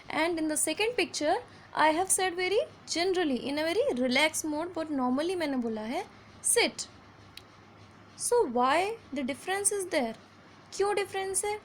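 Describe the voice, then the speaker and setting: A woman with a high, light voice and an Indian English accent teaches vowel sounds to children. She slows down to stretch each example word and slips between English and Hindi. A faint hum of ambience sits under her voice. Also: fairly bright tone. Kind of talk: phonics lesson for children.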